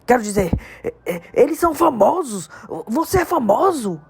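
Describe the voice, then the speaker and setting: Hagrid, a woman booming as a huge indignant giant. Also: very animated, husky, heavily acted. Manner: bellowing, slow emphatic outbursts. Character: huge gruff half-giant man, loud, indignant.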